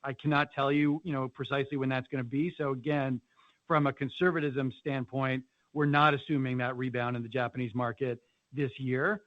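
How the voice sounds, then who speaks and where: A man speaking as a company finance executive, answering analyst questions in a measured, hedging way peppered with "you know". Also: medium pitch, little pitch movement, no echo. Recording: dull, band-limited conference call audio.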